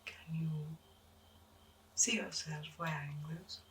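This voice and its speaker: A woman playing an eccentric, doting and gently menacing doctor in a breathy, whispered ASMR medical roleplay, with soothing, genteel endearments. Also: low-pitched, fairly even intonation, slow pace, far from the mic, slight background noise, heavily acted. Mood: reassuring, clinical.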